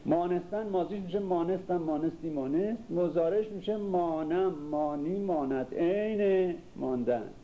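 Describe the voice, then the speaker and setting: A man's voice: a little high, few pauses, narrow, tinny audio. An older man teaching a class, reciting verses and then explaining them in casual speech, quizzing his listeners as he goes. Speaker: literature teacher. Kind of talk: lecture on classical poetry. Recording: faint background noise.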